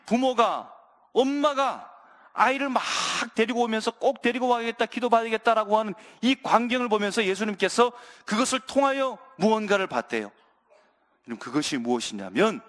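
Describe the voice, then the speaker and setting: Male pastor, sermon, animated, high voice, long church reverb. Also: normal speed. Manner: animated, asks the congregation questions and acts out scenes. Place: church sanctuary.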